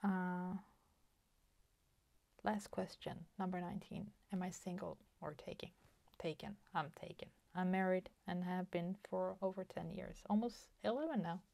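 A Swedish woman in her forties with a Swedish accent, chatting softly at her craft table with many fillers and half-whispered asides. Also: on the low side, normal speed, vocal fry, dry recording. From Sweden. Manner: soft-spoken, slips into whispers, many fillers. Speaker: crafting channel host. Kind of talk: casual chat while crafting. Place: home craft table, indoors.

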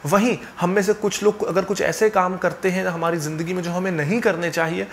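A young adult man hosts a finance channel, explaining earnestly and steadily to camera while gesturing with his hands, from a small home office. His voice is high-pitched and a little fast. He uses a clip-on lapel mic, and there is a slight hiss or hum.

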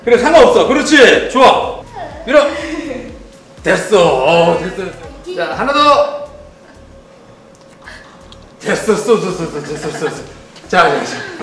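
A man's voice: high voice, big pitch swings, slow, pauses often, fairly bright tone. A man in his forties, a gym trainer and host, coaching with short encouraging cues and frequent laughs. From Korea. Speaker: gym owner and trainer hosting. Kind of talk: casual coaching chat. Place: large indoor gym. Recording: echoey gym with people around.

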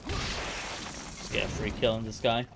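A man's voice: lowish voice, very animated, slow pace, vocal fry, very noisy. A man giving casual live commentary as he speedruns a video game.

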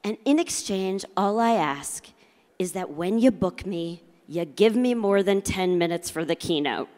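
A woman's voice: mid-range voice, expressive, measured pace, a little mellow. A middle-aged woman giving a motivational keynote with comic storytelling, speaking with theatrical emphasis and working the audience through a handheld microphone. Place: large convention hall, indoors. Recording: live hall PA with long reverb.

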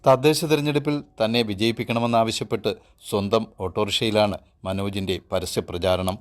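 Low-voiced male news reporter. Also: fairly even intonation, a little fast. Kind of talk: scripted news report narration.

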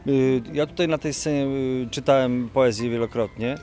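A man's voice: medium pitch, steady tone, moderate pace, dark tone. A middle-aged man, a stage performer, chatting enthusiastically in a park interview with stumbling restarts. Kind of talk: casual interview. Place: outdoor park. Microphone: handheld mic. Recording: outdoor ambience.

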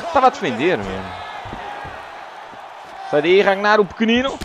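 A man with a European Portuguese accent commentating his own fight game, excitable and lurching from yelling to groaning. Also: sits high, normal speed, crowd noise, noisy background. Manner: animated, swings from yelling to groaning. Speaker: gaming YouTuber.

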